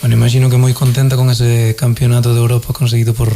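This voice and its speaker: A man hosting a local radio sports show with a Galician accent, asking steady questions and backchanneling often. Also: mid-range voice, quick pace.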